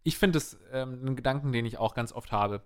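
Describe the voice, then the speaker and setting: A man chatting loosely as a podcast co-host, rambling from one thought to the next. His delivery is casual and jokey, with a middle pitch for a man. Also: a little fast. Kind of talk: casual chat.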